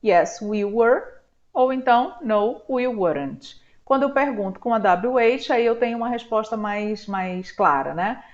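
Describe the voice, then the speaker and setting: A Brazilian woman teaching an online language lesson. She stretches out her model words slowly and checks in often with "tá?". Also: on the high side. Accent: Brazilian Portuguese. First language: Portuguese. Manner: slow drawn-out model words, frequent "tá?". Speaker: English teacher. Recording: slightly dull lo-fi sound.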